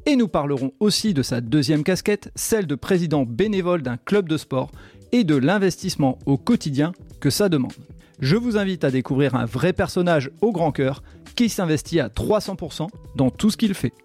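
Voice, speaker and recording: French man hosting a podcast, mellow voice. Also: a little high, moderate pace, soft background music. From northern France. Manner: scripted intro, then relaxed with fillers. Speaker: podcast host. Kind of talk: podcast interview.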